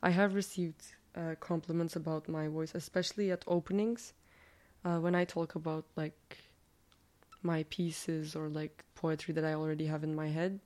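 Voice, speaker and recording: A woman from Turkey, whose first language is Turkish, speaks casually in an interview. Her voice is a little nasal and sits somewhat low. She rambles in a chatty way, leaning on fillers. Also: little pitch movement, normal speed, a little mellow. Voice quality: slightly nasal, fairly deep voice.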